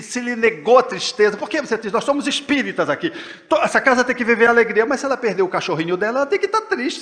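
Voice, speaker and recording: A man with a Brazilian accent lectures at a spiritist gathering in a high voice. He is expressive and slips into the gentle voice of a parent talking to a child. His voice rings with the long reverb of a lecture hall. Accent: Brazilian Portuguese. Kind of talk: spiritist talk.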